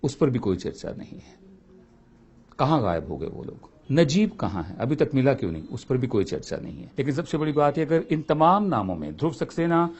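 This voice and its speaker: A man's voice: mid-range voice, very animated, a little fast, a little mellow, husky, highs cut off. A man giving a spoken commentary, impassioned and full of rhetorical questions.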